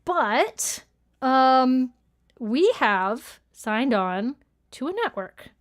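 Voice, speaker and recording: A woman's voice: high voice, very animated, drawn-out words. A woman co-hosting a show, chatting casually about announcements in a jokey, irreverent way with some swearing. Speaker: podcast co-host and show creator. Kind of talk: casual live-stream announcement chat.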